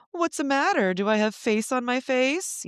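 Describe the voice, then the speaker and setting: Someone puts on a character voice with a fairly high pitch and speaks at a moderate pace. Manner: sassy, giggly.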